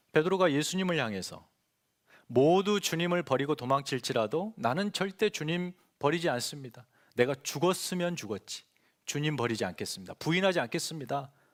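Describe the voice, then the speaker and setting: The recording is very clean, with a silent background. A man talks at a fairly quick pace in a fairly high pitch with lively intonation. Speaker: pastor. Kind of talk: sermon.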